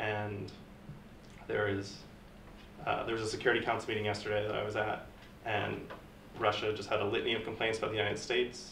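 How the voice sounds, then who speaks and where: Talking at a fairly quick pace, a man with a fairly low pitch is heard over light background noise, with audible room echo. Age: 20s. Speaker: graduate student; panelist. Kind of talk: panel talk. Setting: stage with audience. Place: meeting room. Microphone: camera far.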